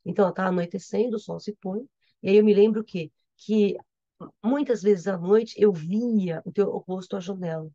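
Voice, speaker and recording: Brief: Brazilian woman literature teacher, mellow, dry close sound, explains and repeats, checks understanding. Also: mid-range voice, normal speed, dry recording, dull audio. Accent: Brazilian Portuguese. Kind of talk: reading and explaining a poem in a lesson.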